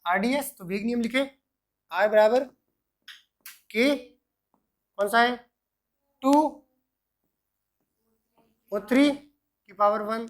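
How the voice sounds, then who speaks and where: A male chemistry teacher working through examples, asking himself questions and answering them, and dictating formulas slowly piece by piece. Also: high-pitched, a bit bright. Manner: answers own questions, repeats "ठीक है" often. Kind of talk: explaining worked examples at a board.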